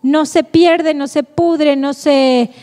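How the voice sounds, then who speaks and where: A woman's voice: sits high, fairly even intonation, slow pace, mellow. A woman giving a Catholic formation lecture. She is playful, laughs often and asks rhetorical questions. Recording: echoey hall, long reverb.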